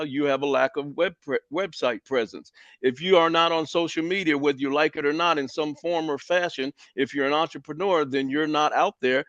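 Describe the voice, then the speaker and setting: A man's voice: on the high side, fairly bright tone, no room sound. Man, meeting lead, emphatic and preachy, dry muffled call audio. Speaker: meeting leader. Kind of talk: motivational meeting talk. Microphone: video call.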